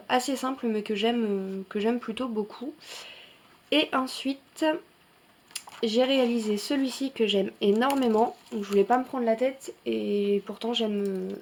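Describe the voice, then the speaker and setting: A woman with a slightly high voice chats through her finished coloring pages in a relaxed show-and-tell vlog. She talks loosely, full of little fillers and quick self-corrections as she goes. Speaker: coloring channel host.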